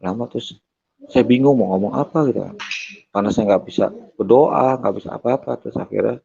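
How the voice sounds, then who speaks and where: A man telling his personal testimony, hesitant and pausing often on fillers. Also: medium pitch, creaky, dark tone, breathy edge. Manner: hesitant, strings events together with many fillers. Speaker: guest giving a testimony. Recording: dull lo-fi recording.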